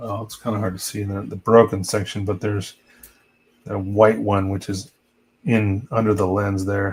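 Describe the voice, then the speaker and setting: A man's fairly low, somewhat breathy voice in a flat monotone, moderate in pace with big swings in loudness, on a very clean recording with a silent background. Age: 50s. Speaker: model kit builder and live streamer. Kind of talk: live stream casual chat. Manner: halting.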